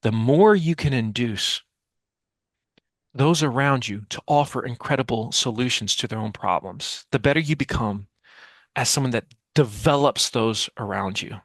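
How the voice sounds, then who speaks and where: A communication expert and author in his forties speaks as an interview guest at a moderate pace in a mid-range voice. Through a headset mic on a video call, with studio-quality sound and no echo, he explains ideas emphatically, asks many rhetorical questions and acts out example dialogue.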